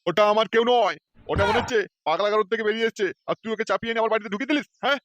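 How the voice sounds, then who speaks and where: Guy doing a cheap hothead cartoon uncle, quick, highish voice. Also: dry recording. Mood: blustering. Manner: blustering, shouting threats. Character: stingy hot-tempered middle-aged man, blustering. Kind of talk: cartoon voice acting.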